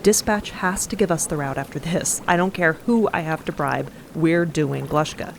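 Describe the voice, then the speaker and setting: An actress playing a fond, reassuring wife in an audio drama, speaking gently and conversationally. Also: female voice, low-pitched, normal speed, gravelly, slight background noise. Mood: eager. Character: Mickey, fond, reassuring woman, adventurous spouse. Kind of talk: audio drama acting and narration.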